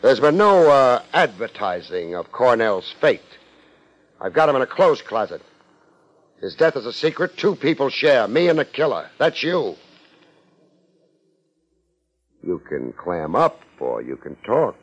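An actor playing a laid-back, wry private investigator in a 1950s radio drama, deadpan and wisecracking. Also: male voice, mid-range voice, normal speed. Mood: accusing. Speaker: lead actor, narrating and playing the detective. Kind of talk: 1950s radio detective acting. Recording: muffled 1950s radio transcription.

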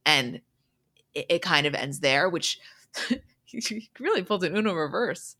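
A woman's voice: lowish voice, animated, a little slow, bright, forceful tone. A woman hosting a podcast, recapping in a casual, conversational way as she retells who said what. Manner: conversational, retells quoted dialogue scene by scene. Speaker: podcast host.

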